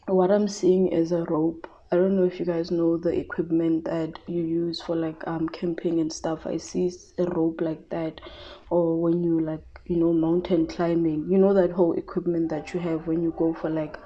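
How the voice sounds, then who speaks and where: Soft-spoken, hesitant woman. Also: lowish voice, flat delivery, unhurried, highs cut off. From South Africa. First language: Tshivenda. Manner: hesitant, many fillers and restarts. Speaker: tarot reader. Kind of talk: casual psychic reading.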